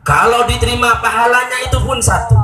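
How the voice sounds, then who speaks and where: High-voiced animated male preacher, echoey PA. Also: brisk. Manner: animated, acts out voices, chants takbir, asks audience questions. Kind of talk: lively village sermon with storytelling. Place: outdoor religious gathering with PA speakers. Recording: echoey PA sound from far off, faint music.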